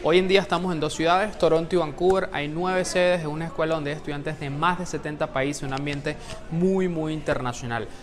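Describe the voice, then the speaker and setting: A man's voice: on the high side, steady tone, fast. A man speaking enthusiastically as a representative promoting a language school. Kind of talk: promotional talk.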